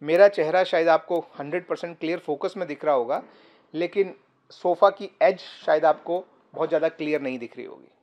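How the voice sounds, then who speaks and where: A man with a voice a little higher than most gives a patient photography lesson straight to the camera. He explains one idea at a time, pausing often and filling gaps with short hesitations. He sits indoors on a sofa, picked up by a camera a few feet away. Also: lo-fi sound. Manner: patient, step-by-step explaining with frequent pauses and fillers. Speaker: photography teacher. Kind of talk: casual explainer tutorial to camera. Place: indoor room, seated on a sofa. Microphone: camera about three feet away.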